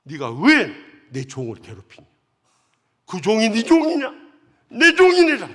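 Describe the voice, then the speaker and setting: A man's voice: high voice, wildly swooping pitch, a little slow, pitched above the performer's own voice, full character voice. A man voicing God as a stern, thundering judge who rebukes a proud believer in a dream, heard with long church hall reverb. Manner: thundering rebuke, rising to shouts.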